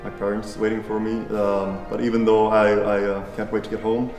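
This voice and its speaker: A man's voice: on the low side, little pitch movement, fairly quick, recorded from a distance. A young man from Sweden, a debate student, answering an interview casually with many hesitant fillers. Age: young adult. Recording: echoey room, off-mic, music behind.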